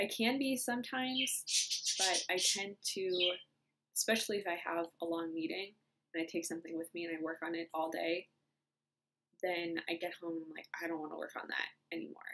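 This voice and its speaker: Her tone is bright and sharp, with a fairly low pitch and ordinary pitch variation. The woman keeps a moderate pace. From Hawaii. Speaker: knitting podcaster. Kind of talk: casual podcast talk to camera.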